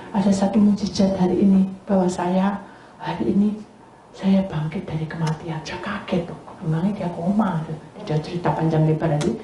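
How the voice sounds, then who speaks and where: A woman pastor preaching with a low, mellow voice, telling a story with lively questions to her listeners. The sound is roomy and echoey, with faint background noise. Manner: animated storytelling, questions to the congregation. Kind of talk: sermon.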